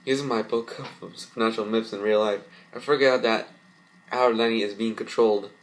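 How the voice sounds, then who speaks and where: A man's voice: on the low side, steady tone, fairly quick, natural voice, rough recording. A man voicing a solemn, bookish young girl who explains the occult in a cartoon fan story.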